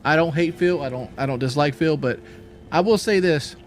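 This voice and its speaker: A man's voice: on the high side, normal speed, a little hiss or hum. A man chatting casually on a live stream, out of breath after a workout, rambling and repeating himself as he talks.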